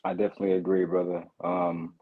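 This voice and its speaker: A man's voice: low voice, level tone, fast, slightly rough. Earnest man on a tinny phone line. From Detroit. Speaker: caller. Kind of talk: casual live-audio chat.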